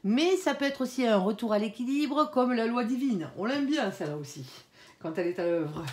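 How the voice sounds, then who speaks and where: A chatty woman reads tarot cards aloud in a lively, fairly high voice that swoops up and down. She fills her talk with small interjections and softly asks her guardian angel for guidance. The sound is roomy, with a clear echo. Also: brisk. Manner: chatty, peppers speech with "hein" and "alors". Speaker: tarot card reader. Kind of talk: casual spoken tarot reading to viewers. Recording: echoey room.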